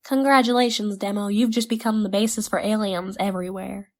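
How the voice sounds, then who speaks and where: A woman's voice: medium pitch, steady tone, a little fast, natural voice. A woman playing a curious, wry adventurer in an audio drama, explaining things conversationally. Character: wry, curious female time-traveling adventurer.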